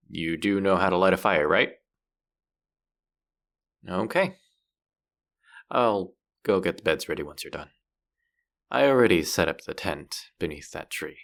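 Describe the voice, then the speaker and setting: A bratty young rogue from a fantasy roleplay , acted by a man, with a very deep voice and a gravelly, creaky edge. He is a sardonic, swearing street rat who needles the listener with cocky banter. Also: fairly bright tone, full character voice. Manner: teasing, foul-mouthed, sardonic banter. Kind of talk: character roleplay audio drama spoken to the listener.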